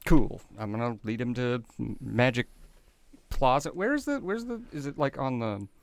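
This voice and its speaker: A man's voice: medium pitch, expressive, moderate pace, gravelly, dry recording. A man playing a tabletop roleplaying game in casual, loose, slangy talk, with music behind him. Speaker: player on an actual-play podcast. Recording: background music under the voice.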